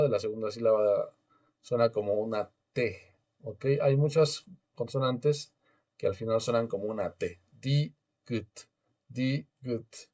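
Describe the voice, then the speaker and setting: A man's voice: mid-range voice, mellow, highs cut off. Patient male language teacher on a call. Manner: patient, drills pronunciation and has students repeat. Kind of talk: online beginner class. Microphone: video call.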